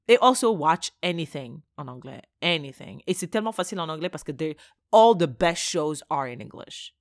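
A woman's voice: sits low, moderate pace, no echo, studio quality. A native French-speaking woman co-hosting a podcast, chatting casually and emphatically with slang, switching between French and English as she tells stories. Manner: animated storytelling, slangy, emphatic. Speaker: podcast co-host.

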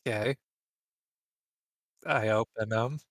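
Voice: mid-range voice, slow pace, a bit bright, dry recording. A player in a casual tabletop game over a voice call, giving terse, dry replies. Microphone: remote voice call.

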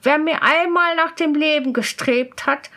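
A woman voicing a fearless, quick-witted young male student who speaks up loud and bold. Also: sits high, voice pushed up, full character voice. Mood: firm. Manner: raised, bright and bold.

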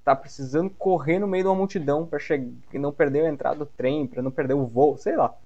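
Um homem, professor de inglês e apresentador de podcast, explica expressões com entusiasmo e interpreta os exemplos mudando o tom. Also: male voice, fairly high pitch, fast, highs cut off. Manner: lively, acts out example phrases with shifts in tone. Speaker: English teacher, podcast host. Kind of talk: explaining English phrases in a podcast lesson.

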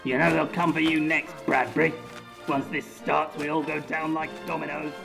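A man's voice: fairly high pitch, little pitch movement, normal speed, gravelly, over music. A man playing a petty, shameless dictator in a comedy audio drama, with a pompous, self-serving manner. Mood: alarmed. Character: petty, shameless male dictator of a comic dystopia.

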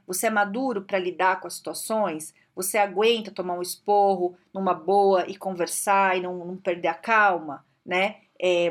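A woman with a Brazilian Portuguese accent giving casual career advice straight to camera, lively and direct, often tagging her points with questions. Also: medium pitch.

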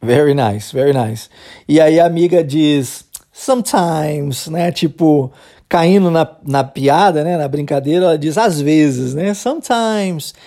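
A Brazilian woman teaching English, explaining phrases patiently and modeling them slowly for the listener to repeat. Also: low voice, dark tone. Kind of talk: language lesson with repeat-after-me drills.

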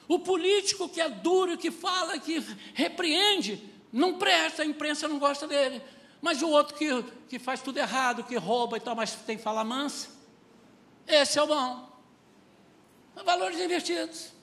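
A male pastor preaching a sermon with fervent, emphatic delivery that rises into shouts. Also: very high voice, moderate pace, long reverb tail. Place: church sanctuary.

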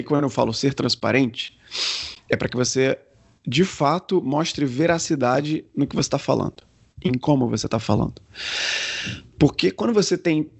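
A man coaching on communication as a podcast guest, explaining in a deliberate way and demonstrating changes in his own pitch and pace. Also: gravelly.

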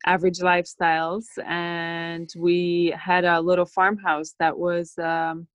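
A woman's voice: lowish voice, little pitch movement, takes it slowly, no echo. A woman from Poland with a light Polish accent, a podcast guest telling her story in a friendly, laughing way. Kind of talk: casual interview.

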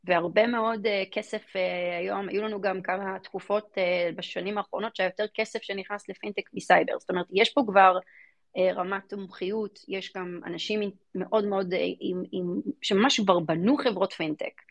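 Speaking with a steady, medium-pitched tone and an Israeli accent, a woman fintech venture investor answers interview questions as a guest. Her replies are casual and emphatic, with words often repeated for emphasis.

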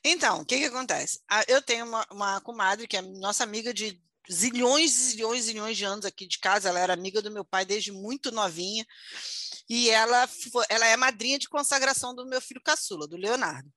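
Woman on a podcast, bright voice, laughs a lot, rambles through a story. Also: fairly high pitch, a little fast, no echo, clean studio sound. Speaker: podcast co-host. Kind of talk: casual comedic chat.

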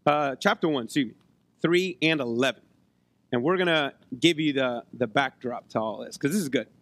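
A man preaching a sermon in a conversational way, his voice hoarse as if he has been losing it, often checking in with his listeners. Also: mid-range voice, moderate pace, a bit bright, no room sound. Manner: conversational, checks in with rhetorical questions. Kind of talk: sermon to a congregation. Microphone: close microphone on a PA.

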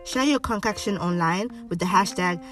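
Female commercial announcer, on the lower side, scripted read, a little off-mic over music. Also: moderate pace, a bit bright, distant mic. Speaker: voice-over artist.

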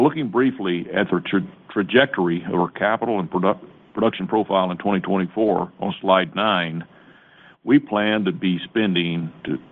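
Low-voiced man on a phone line. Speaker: company executive presenting results. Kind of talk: scripted earnings call presentation. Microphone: conference call phone line. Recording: tinny narrow-band phone line.

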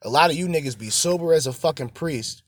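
A man's voice: fairly high pitch, fast, no echo. Blunt, profane man ranting, dry sound. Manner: blunt, profane, slangy, repeats phrases for emphasis. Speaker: solo show host. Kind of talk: casual opinionated monologue.

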